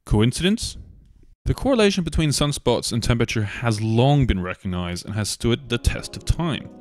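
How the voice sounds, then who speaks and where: A man reading a scripted documentary narration in a measured, argumentative way, posing rhetorical questions. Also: mid-range voice, animated, darkish tone, no echo, clean studio sound.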